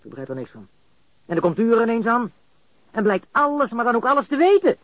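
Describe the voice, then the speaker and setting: An actor playing a baffled, cocky and coarse murder suspect in a radio crime drama, stammering and repeating words. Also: male voice, extremely high pitch, sing-song, quick pace, fairly bright tone, dry recording, heavily acted. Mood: bewildered, exasperated. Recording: dull, lo-fi radio recording.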